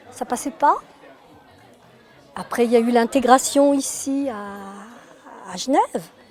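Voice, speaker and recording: Music plays in the background as a woman speaks. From Algeria (pied-noir). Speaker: participant in an anti-racism event. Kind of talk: interview testimony.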